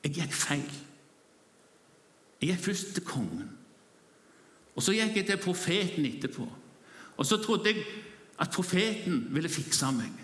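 A man's voice: high-pitched, sing-song, pauses often, a bit bright, reverberant, in a large hall. A man voicing an earnest commander who tells his family, in first person, what happened to him.

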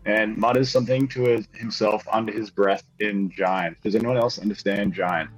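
A man with a low, husky voice describes his character's actions as a player in a tabletop game. He is halting as he searches for words, and soft music sits behind him. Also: steady tone, low-quality recording.

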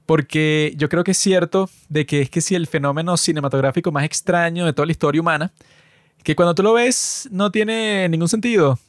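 Boastful joking Latin American podcaster. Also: male voice, on the high side, a little fast, no echo, clean studio sound. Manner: joking mock-boastful, slangy storytelling. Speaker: podcast co-host. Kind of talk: casual podcast chat.

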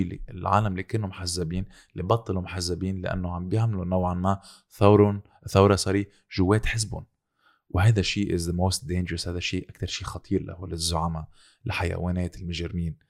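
A man with a Lebanese Arabic accent talks politics casually and insistently. His voice is very low with heavy creak, and he speaks quickly, repeating his points and dropping in English phrases. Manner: code-switches into English.

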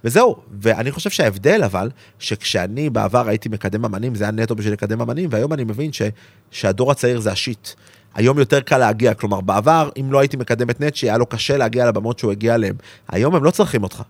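A man's voice: mid-range voice, expressive, no echo. A man with an Israeli accent talking casually as a guest in an interview.

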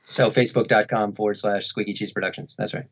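A man's voice: on the low side, fairly even intonation, fast, a bit bright, highs cut off. A man who narrates audiobooks, talking casually as a podcast guest. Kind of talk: casual conversation.

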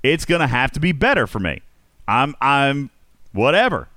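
Man, host, casual discussion, very lively pitch, questioning, musing aloud, dry close sound. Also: moderate pace, dry recording. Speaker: podcast host.

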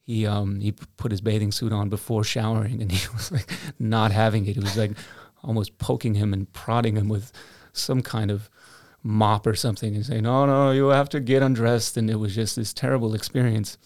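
A young man from Iceland chatting casually as a podcast co-host, telling animated stories and laughing often. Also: fairly low pitch, a little fast, few pauses, no room sound, studio quality. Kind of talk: casual conversation.

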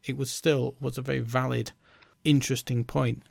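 A man with a gravelly, creaky voice, speaking in a chatty and reflective way. He works in learning and development and often falls back on "you know". The recording is dry and close. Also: medium pitch, little pitch movement, normal speed, darkish tone, no echo. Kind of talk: casual conversational chat.

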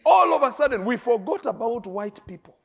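A middle-aged man with a Kenyan accent, preaching a sermon with lively stories, laughing and swinging between soft and loud. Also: very high-pitched, brisk, creaky. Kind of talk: sermon with storytelling.

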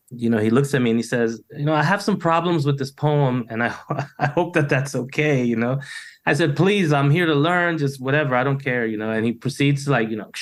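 A middle-aged man, talking in a reflective interview over a video call, with a loose flow full of "you know" and restarts. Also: medium pitch. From United States. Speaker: poet, interview guest.

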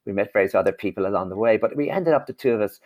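A man's voice: lowish voice, racing, muffled recording. Teasing Irish storyteller man. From Ireland. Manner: teasing, playful storyteller with mock outrage. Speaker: guest. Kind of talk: panel chat with an audience.

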